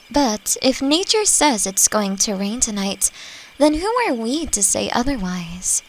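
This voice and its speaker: Gentle, slightly creaky elf woman, acted by a woman. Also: mid-range voice, a little hiss or hum, rough recording. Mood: calm, reflective. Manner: gentle, reflective, playfully teasing. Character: friendly female elf, teasing magic teacher. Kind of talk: scripted roleplay audio drama addressed to the listener.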